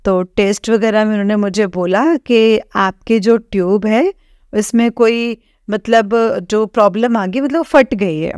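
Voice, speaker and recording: A young woman from Jammu shares a personal testimony with a spiritual gathering. She speaks slowly in a smooth, clean voice, recorded close and dry. Her telling is halting, full of fillers and repeated phrases. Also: medium pitch, darkish tone, no room sound. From Jammu, India. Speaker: devotee sharing testimony.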